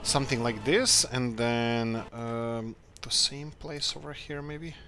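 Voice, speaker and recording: Male let's-player, mid-pitched, rambling upbeat self-talk, with game music clearly underneath. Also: fairly even intonation, slow. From Croatia. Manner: rambling, thinks aloud, upbeat muttering. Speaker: let's play host. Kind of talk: casual gameplay commentary.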